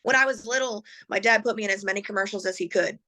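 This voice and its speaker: A woman's voice: medium pitch, fast, sharp tone. A middle-aged woman chatting casually as an interview guest, laughing often and growing emotional as she remembers. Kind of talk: casual conversation.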